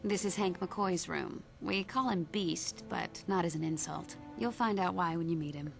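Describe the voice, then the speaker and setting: An actress voicing a calm adult heroine who leads a newcomer on a tour of her team's home in a video game. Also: on the low side, normal speed, creaky, faint music behind. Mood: welcoming. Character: calm adult woman mutant team guide. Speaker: game character giving a house tour.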